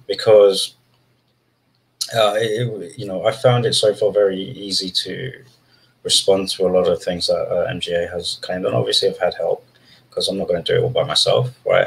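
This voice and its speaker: A young man hosting a debate over a video call on a headset, talking in a measured, methodical way and arguing point by point. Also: low-pitched, vocal fry, fairly bright tone, rough recording. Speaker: host. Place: small room indoors.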